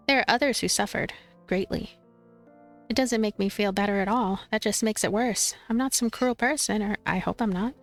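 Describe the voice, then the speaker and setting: A woman reading a visual novel aloud as a let's play streamer, expressive and playful, with commentary. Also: medium pitch. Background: game music.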